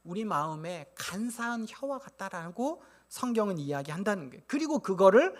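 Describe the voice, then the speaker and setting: A man's voice: high-pitched, big pitch swings, normal speed. A man preaching a sermon as pastor, acting out quoted inner voices as he goes. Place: church sanctuary.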